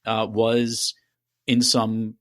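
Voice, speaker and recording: A man's voice: on the low side, completely flat delivery, very slow, no echo, clean studio sound. A man from Brooklyn hosting a podcast interview, upbeat and chatty. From Brooklyn, New York. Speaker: podcast host.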